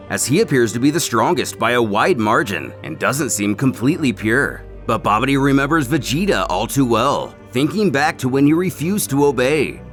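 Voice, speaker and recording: Animated man narrating over music. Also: mid-range voice. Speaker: narrator of a fan comic recap series. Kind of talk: scripted recap narration.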